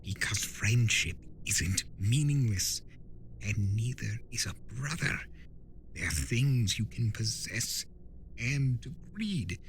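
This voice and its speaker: A man's voice: lowish voice, expressive. Man performing a spirit of chaos for a fantasy story reading: theatrical, impassioned, stretched words, noisy recording. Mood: knowing, lecturing. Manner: theatrical, emphatic, drawn-out words. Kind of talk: dramatic fan-fiction reading.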